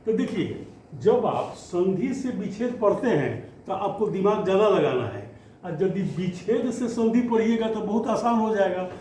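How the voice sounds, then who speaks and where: A man teaching Hindi grammar to students, explaining slowly and often stretching out words as he goes. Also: high voice, sing-song, a little mellow, a little hiss or hum. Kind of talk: classroom lesson. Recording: echoey room, faint ambience.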